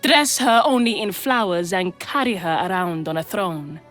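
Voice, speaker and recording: A woman's voice: on the low side, animated, normal speed, fairly bright tone, faint music behind. A woman voicing a worldly, sardonic, protective brothel madam in a video game, with a theatrical, coaxing manner. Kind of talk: scripted game dialogue.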